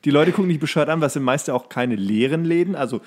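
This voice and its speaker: A man's voice: on the high side, lively intonation, fast talker. A man co-hosting a podcast in a casual, rambling chat, often drifting off on tangents. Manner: rambling, digressing. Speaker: podcast co-host.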